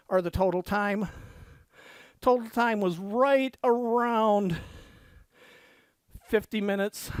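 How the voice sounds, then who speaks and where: A man with a fairly high voice dictates his novel while walking at a treadmill desk, a little winded. He speaks slowly and measuredly and reads his punctuation marks aloud. The recording is close and dry, with no room sound. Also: dry recording. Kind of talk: dictating fiction aloud, then casual chat.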